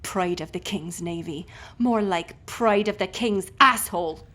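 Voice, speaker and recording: A woman's voice: on the low side, a little slow, noisy background, lightly acted. A woman playing a defiant, sarcastic, foul-mouthed ship captain held prisoner in an audio roleplay. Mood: mocking, contemptuous. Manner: sarcastic, wordy, biting.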